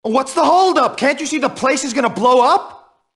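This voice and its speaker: Very high-pitched, agitated henchman. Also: lively intonation, normal speed, fairly bright tone, full character voice. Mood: panicked, impatient. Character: agitated, impatient henchman, crude and jumpy. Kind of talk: video game voice acting.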